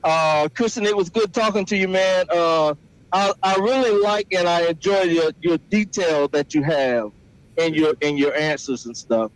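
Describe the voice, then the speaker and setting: A man's voice: on the high side, normal speed, poor audio. A man calling in to a show, chatting in a polite, casual and colloquial way. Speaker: caller to the show. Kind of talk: casual chat.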